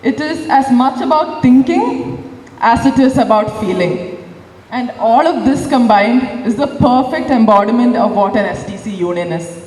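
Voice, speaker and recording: A woman's voice: on the high side, lively intonation, a little slow, darkish tone. A young woman, the outgoing student union chair, giving an earnest, grateful farewell speech at a college ceremony. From India. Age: young adult. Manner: earnest and grateful, listing thanks. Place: large hall. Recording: echoey hall, distant mic, faint ambience.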